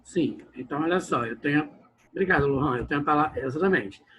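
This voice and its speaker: A man's voice: on the high side, fast talker, a bit bright, lo-fi sound, slight background noise. A male grammar teacher, giving an online lesson and often calling out to his class while he stretches words for emphasis. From Brazil.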